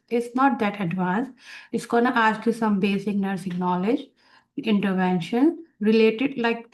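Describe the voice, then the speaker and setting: A woman with a South Asian accent and native Urdu gives an informal exam review lecture in a halting, repetitive, encouraging way. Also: medium pitch, a little mellow. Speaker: exam review instructor for nursing students. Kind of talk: informal lecture, explaining tips.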